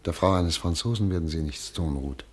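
A man's voice: low voice, brisk, natural voice. A man playing an anguished exiled doctor and family man in a German radio drama, speaking earnestly and insistently. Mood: pleading resolve.

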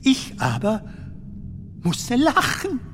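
An actor playing an elderly, wistful comedian telling stories in a theatrical radio drama manner, with dramatic pauses. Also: male voice, extremely high pitch, huge pitch swings, fairly bright tone, a little hiss or hum, full character voice. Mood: amused, excited. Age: older. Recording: music under the voice.

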